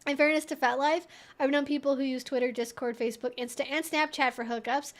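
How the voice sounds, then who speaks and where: Female streamer, high-pitched voice, informal and wry, reacting aloud to viewer messages. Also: steady tone, fast. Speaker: livestream host answering viewer chat. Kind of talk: casual livestream chat.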